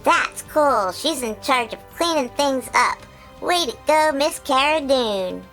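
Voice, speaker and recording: A woman voicing an excitable, childlike male creature who hosts a chatty episode recap, bubbly and full of giggles and squeals. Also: high voice, slow pace, faint music behind, full character voice, poor audio. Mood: excited recap. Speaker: recap host.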